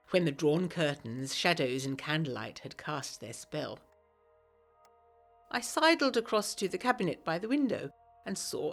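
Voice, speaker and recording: A woman playing an eager, self-pleased 1920s lady narrating a gothic audio drama in genteel, bookish diction. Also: lowish voice. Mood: hushed, observant.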